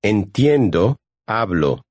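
A man speaking slowly and deliberately as the model speaker in a language course, for listeners to repeat. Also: on the low side, big pitch swings, darkish tone, dry recording. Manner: slow, deliberate. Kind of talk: slow model pronunciation for repetition.

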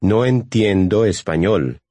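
A man modeling short phrases in a language course, saying each one slowly and clearly for learners to repeat. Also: fairly low pitch, mellow, no room sound. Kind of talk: slow, careful phrase repetition.

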